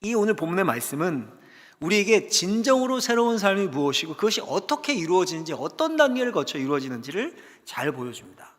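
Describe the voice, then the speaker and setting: A man, a senior pastor, preaching a dramatic sermon in a church sanctuary, posing rhetorical questions and swinging from loud cries to hushed emphasis. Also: sits high, very animated, quick pace. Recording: long church-hall reverb.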